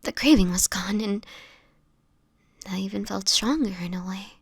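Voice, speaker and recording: A woman playing a sickly, gentle homeless woman turning vampire in an intimate audio roleplay, with a whispery, hesitant delivery. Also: mid-range voice, no room sound, studio quality. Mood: guilty, confessional. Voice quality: breathy, whispery. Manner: halting, hesitant, fragile delivery.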